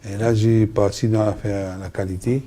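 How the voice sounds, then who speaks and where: A man's voice: fairly low pitch, steady tone, normal speed, dark tone, a little hiss or hum. An older man from Mauritius, a company founder, answering interview questions in short plain sentences.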